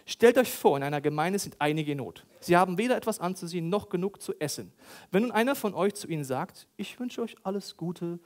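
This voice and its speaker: A pastor preaching a lively, provocative sermon, acting out mock prayers and voices to make his point. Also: high-pitched, fast. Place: church hall.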